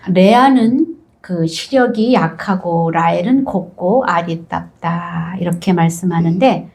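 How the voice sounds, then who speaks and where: A woman pastor preaching a sermon with animated storytelling, acting out the figures as she retells the story. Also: medium pitch.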